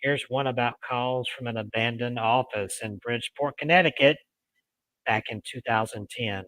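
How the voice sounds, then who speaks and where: Man reading ghost stories, bright dry voice. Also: medium pitch, moderate pace, dry recording, rough recording. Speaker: host of a paranormal storytelling show. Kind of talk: reading ghost stories aloud with casual asides.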